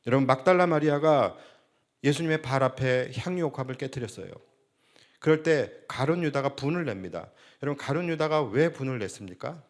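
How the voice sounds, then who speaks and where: Korean pastor preaching earnestly. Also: male voice, mid-range voice, brisk. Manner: earnest preaching, acts out quoted lines, rhetorical questions. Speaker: senior pastor. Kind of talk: sermon. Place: church sanctuary.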